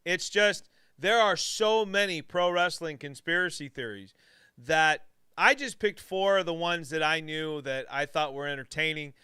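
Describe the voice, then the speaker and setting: A man's voice: fairly high pitch, unhurried, pushed and bright, clear, resonant tone, dry recording, studio quality. A man hosting a casual live show, introducing guests with upbeat enthusiasm. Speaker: host.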